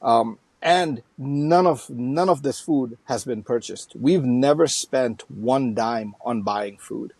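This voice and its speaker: A man's voice: medium pitch, slow, few pauses, a little mellow, slightly rough, no room sound. A middle-aged man from Trinidad and Tobago, a nonprofit founder speaking as a guest in a casual interview, with many fillers and restarts.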